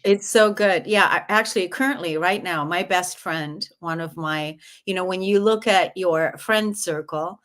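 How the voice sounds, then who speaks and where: A woman's voice: on the low side, measured pace, hardly any pauses, fairly bright tone. Earnest, meandering woman podcast host. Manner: meandering, filler-heavy, earnest. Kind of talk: casual podcast interview.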